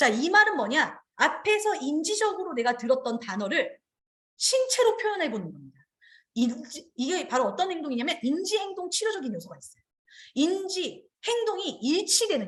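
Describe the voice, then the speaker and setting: A woman speaks in an extremely high voice with very wide pitch swings and big swings in loudness. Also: moderate pace. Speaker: teacher trainer. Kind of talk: online training lecture. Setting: video call.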